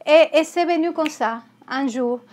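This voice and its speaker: A woman's voice: high voice, unhurried, a little mellow. A woman from Venezuela with a Venezuelan Spanish accent, a therapist speaking earnestly in an interview, often restarting her words. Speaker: therapist and guest. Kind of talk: candid interview talk.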